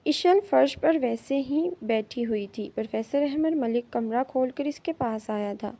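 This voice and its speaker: A woman reading a romance novel aloud in steady audiobook narration. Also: sits high. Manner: steady storytelling. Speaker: novel reader. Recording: dull lo-fi recording.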